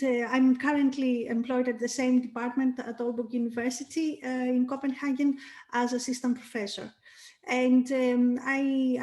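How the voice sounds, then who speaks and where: A woman's voice: a little high, a little mellow. A woman from Greece, an assistant professor, introducing herself on an online panel with light laughs and hesitant fillers. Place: video call.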